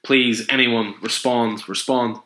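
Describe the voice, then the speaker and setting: A man's voice: mid-range voice, fairly even intonation, slow, pushed and bright. A man voicing a desperate male hero making an urgent, pleading radio call for backup, in an echoey room.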